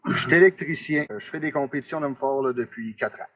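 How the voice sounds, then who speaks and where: Speaking quickly in a medium-pitched, slightly bright voice, a twentysomething amateur strongman from Quebec, Canada rambles chattily through interview answers. He has a Québécois French accent and uses many "là" tags.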